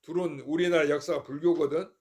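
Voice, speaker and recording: A man's voice: a little high, fairly even intonation, fast talker, darkish tone. An older man, a Buddhist monk, giving a folksy, informal Dharma talk to his temple congregation and often asking whether they follow him.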